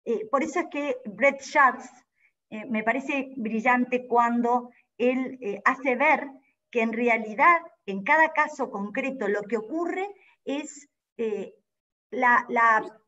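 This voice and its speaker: A woman giving an academic law lecture in a careful, explanatory way, often pausing to rephrase. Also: high voice, fairly bright tone. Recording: dull lo-fi audio.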